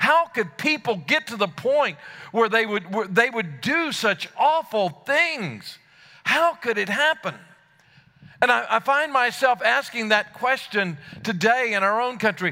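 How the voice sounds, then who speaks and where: A man in a raised, projected voice speaks at a fairly slow pace with an extremely high pitch and very wide pitch swings. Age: 70s. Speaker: preacher. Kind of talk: sermon. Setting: church. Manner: halting.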